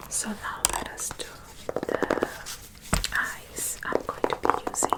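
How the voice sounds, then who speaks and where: Noticeable background noise surrounds a woman's voice. She is whispering, very slowly. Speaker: makeup artist roleplay. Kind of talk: ASMR makeup roleplay. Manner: whispered, soft-spoken.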